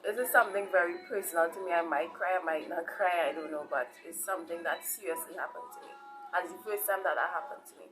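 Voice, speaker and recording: A woman's voice: on the low side, fast, over music, low-quality recording. A woman from Saint Vincent and Trinidad with a Caribbean accent, giving informal testimony as an online preacher, repeating herself and often checking in with her listeners. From Saint Vincent, grew up in Trinidad. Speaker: online preacher and channel host.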